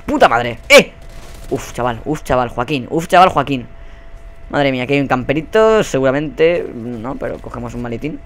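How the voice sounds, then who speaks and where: A man with a Spain Spanish accent giving profane, excitable commentary over his own gameplay. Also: mid-range voice. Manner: excitable and profane, bursting into shouts. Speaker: gaming YouTuber.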